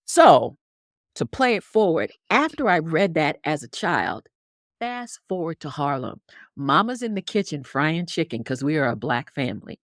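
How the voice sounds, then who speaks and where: A woman's voice: deep voice, very animated, moderate pace, dry recording, clean studio sound. A woman guest telling a story in conversation, acting out characters with big swings in voice. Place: Harlem upbringing.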